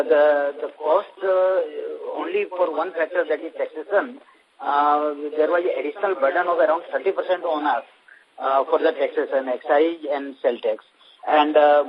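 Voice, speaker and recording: A man with an Indian accent, a company executive, giving a halting explanation on an investor conference call. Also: a little high, slightly rough. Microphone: conference call phone line. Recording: dull, lo-fi conference phone line.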